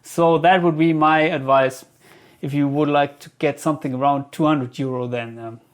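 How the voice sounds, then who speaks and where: A man giving a casual gear Q&A as a reviewer, speaking haltingly as he thinks aloud. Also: on the high side, fairly even intonation. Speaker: guitar gear reviewer answering viewer questions. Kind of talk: casual product Q&A talk.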